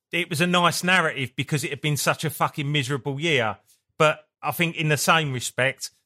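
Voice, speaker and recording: Male interview guest, Essex accent, slightly high and bright voice, loose rambling delivery, colloquial and sweary. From Essex, England. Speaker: guest, punk band singer. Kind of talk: casual interview chat.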